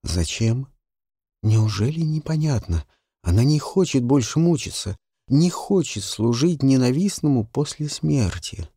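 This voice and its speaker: A man voicing a dying imprisoned woman who speaks slowly, weary and bitter. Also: mid-range voice, expressive, dark tone, slightly rough, dry recording, studio quality. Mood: desperate.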